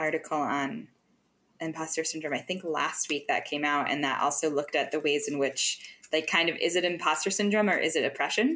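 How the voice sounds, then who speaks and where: This woman has a fairly low pitch and ordinary pitch variation, speaking at a moderate pace. It is a normal speaking voice. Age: 30s. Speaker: sex educator. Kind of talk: casual chat.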